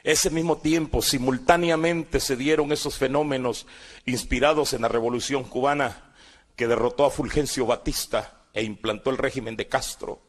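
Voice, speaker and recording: At normal speed and with fairly even intonation, a medium-pitched man in his sixties speaks Guatemalan Spanish. The former guerrilla relates his testimony dramatically, taking on the voices of people from his past.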